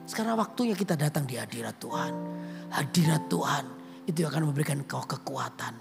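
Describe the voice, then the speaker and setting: A man's voice: on the high side, expressive, fairly quick, vocal fry. A male pastor preaching a sermon in a conversational storytelling way, often turning to the congregation directly. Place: church auditorium. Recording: reverberant church hall with instrument music.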